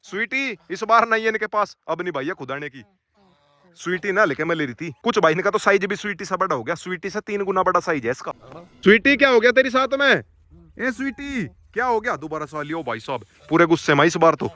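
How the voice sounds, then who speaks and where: A man, talking casually to his viewers while he walks his dog farm and shouts to his dogs. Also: high voice, fast, no room sound. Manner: calls out loudly to his dogs. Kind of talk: casual vlog commentary.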